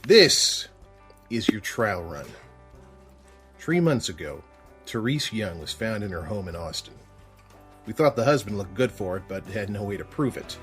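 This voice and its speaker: An actor playing a gruff, irritable police sergeant with a military past, brusque and commanding, in an audio drama. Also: male voice, lowish voice, very animated, measured pace, pauses often, fairly bright tone, soft background music. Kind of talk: full-cast audio drama acting.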